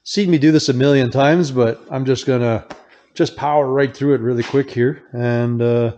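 A middle-aged man hosting a casual behind-the-scenes vlog, rambling in a relaxed way and often trailing off to restart, recorded on a lapel mic. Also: medium pitch, normal speed, dull audio. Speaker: car builder and channel host.

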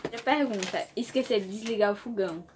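A woman's voice: medium pitch, fast talker, noisy background. Woman briefly reading quiz questions.

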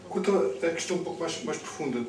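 A middle-aged man with a Lisbon accent speaks quickly and a little high, pressing his political points with emphatic repetition. He is picked up by a distant camera microphone in a room, with clear noise behind him. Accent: Lisbon Portuguese. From Lisbon, Portugal. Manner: emphatic, repeats words as he builds points. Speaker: candidate speaking on a panel. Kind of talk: extemporaneous political talk at a public debate. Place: bookshop-like indoor room with seated audience. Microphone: far camera. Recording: distant camera mic, echoey, noisy room.

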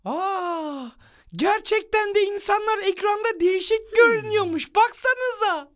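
A woman voicing a plucky, scheming little black boy chick in a dubbed cartoon. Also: a little slow. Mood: chirpy. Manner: squeaky, eager, scheming. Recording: cartoon soundtrack with loud music.

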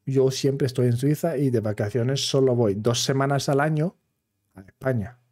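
A man from Switzerland with a Swiss accent, talking casually to camera as a gaming video creator, in careful, halting Spanish that is not his everyday language. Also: medium pitch, mellow. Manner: careful, halting Spanish of a non-native speaker.

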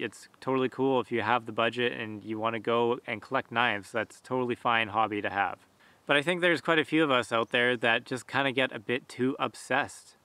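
A man in his thirties, a bushcraft channel host, talking casually to camera outdoors in a forest, relaxed and conversational with plenty of fillers. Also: mid-range voice, clear, resonant tone, dry recording. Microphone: camera at close range.

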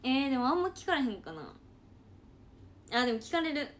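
A woman's voice: high-pitched, big pitch swings, brisk. Giggly Kansai woman, sleepy late-night stream. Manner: chatty, giggly, loose and rambling. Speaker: idol trainee livestreaming. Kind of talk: casual late-night livestream chat reading comments.

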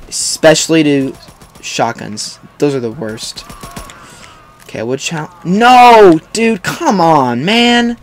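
A young man hosting a gaming video with casual, excitable live commentary and chatty asides to viewers. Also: medium pitch. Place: indoors, voice-over on game footage.

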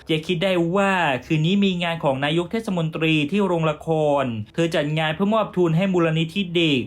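A man's voice: sits high, fairly even intonation, fairly quick. A man giving a scripted narration that recaps a horror series episode by episode.

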